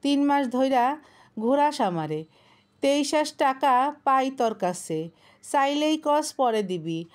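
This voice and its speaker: A woman narrator plays a gruff, short-tempered tea-stall keeper who scolds in rough dialect. He sounds loud and irritable. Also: high voice. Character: gruff grumpy middle-aged male tea-stall keeper.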